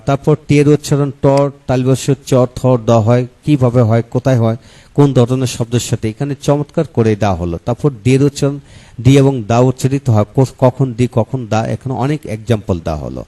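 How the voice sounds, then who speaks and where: A male English teacher talks his viewers through a study book, chapter by chapter. His voice is mellow and warm, and he keeps a steady listing rhythm, calling his listeners friends. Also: medium pitch. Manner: steady listing, repeated set phrases, frequent "ah" fillers.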